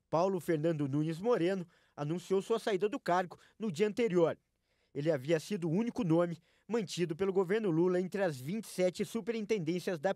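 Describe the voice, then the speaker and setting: Guy doing news voice-over, kinda high voice, formal, dry sound. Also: mellow, dry recording. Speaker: news reporter.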